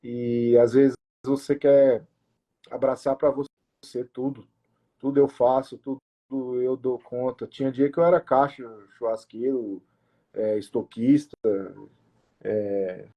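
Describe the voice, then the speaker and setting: A man's voice: mid-range voice, fairly even intonation, slow pace, pauses often, lo-fi sound. A young man who owns a family restaurant, telling his story in an interview in a casual, emotional way, with many restarts and quoted self-talk. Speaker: restaurant owner, interview guest.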